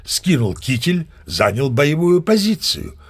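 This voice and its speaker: An actor playing a seasoned old sea captain who narrates tall tales as a chatty, mock-dignified raconteur. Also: male voice, fairly high pitch, sing-song, a little slow. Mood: chatty, wry. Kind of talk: dramatized storytelling narration.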